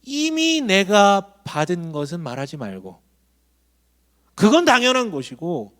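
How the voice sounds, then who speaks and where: A man's voice: high voice, sing-song, measured pace, a bit bright. A man preaching a sermon to a congregation, emphatic and full of questions to the listeners. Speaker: pastor. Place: church hall.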